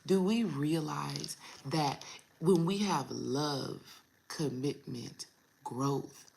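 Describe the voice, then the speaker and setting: A woman in her thirties speaks in a low, gravelly voice, raspy from the morning. She chats casually with her viewers and calls them y'all, with drawn-out pauses. Her pitch sits deep for a woman. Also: a little mellow. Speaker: spiritual coach and host. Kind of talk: casual vlog talk to viewers.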